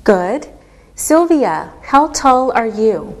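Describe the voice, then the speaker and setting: Very slow, deliberate woman teacher. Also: sits high, sing-song. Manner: patient, deliberate, spells things out step by step. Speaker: English teacher. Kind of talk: slow, clearly enunciated classroom teaching.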